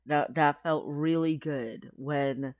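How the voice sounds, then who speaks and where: A man's voice: a little high, steady tone, slow, no echo, studio quality. Chatty trans man, voice sometimes cracking. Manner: chatty and rambling, many fillers, laughs often. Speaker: vlogger. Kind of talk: casual personal video diary.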